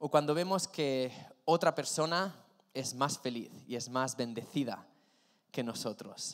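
Against a quiet background, a man with a Spanish accent talks at a fairly slow pace with ordinary pitch variation and long, frequent pauses. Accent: Spanish (Spain). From Spain. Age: 30s. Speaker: pastor. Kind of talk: sermon. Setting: stage with audience. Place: church. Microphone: handheld.

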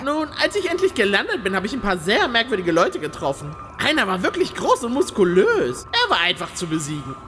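A put-on character voice, fairly high-pitched and fairly quick, over clear background noise.

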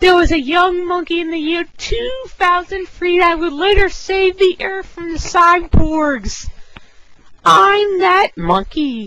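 The pitch is extremely high. This voice is a put-on character. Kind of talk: comic overacting. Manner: urgent, heroic.

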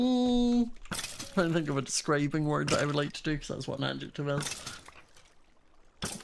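Here a man speaks in a Scottish accent at a moderate pace. His pitch swings very widely. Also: fairly high pitch for a man. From Scotland. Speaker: gamer on a shared server. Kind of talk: casual gaming chat.

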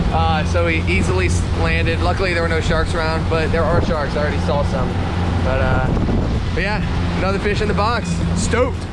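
With music in the background, a man talks at a fairly quick pace. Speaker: spearfisher vlogger. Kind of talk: casual vlog chat. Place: boat. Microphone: phone near.

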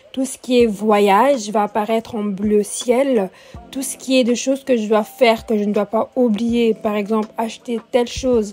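Faint music plays behind a woman speaking fairly slowly at a fairly high pitch in a monotone, flat intonation. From Congolese heritage, lives in Belgium. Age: 20s. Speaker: YouTuber, content creator. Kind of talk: casual talk to camera. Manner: calm, relaxed chat.

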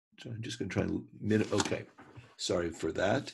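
A man talks with a Montreal accent. His pitch is fairly low and his pace fairly quick. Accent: Canadian English, Montreal. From Montreal, Quebec, Canada; Quebec, Canada. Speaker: psychiatrist; webinar presenter. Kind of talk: webinar presentation. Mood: calm, reassuring.

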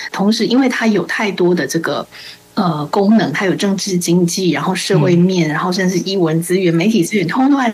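A woman talks at a fairly quick pace in a normal speaking voice. Her pitch is medium, with ordinary variation. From Taiwan, Keelung; Taiwan. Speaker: media editor, former teacher; former teacher. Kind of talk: radio interview. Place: studio.

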